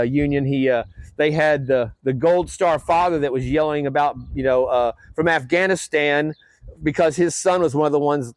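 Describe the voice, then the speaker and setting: A man hosting his own vlog, rambling in casual chat with many fillers and pauses, ranting opinions. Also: a little high, no echo. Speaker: vlog host.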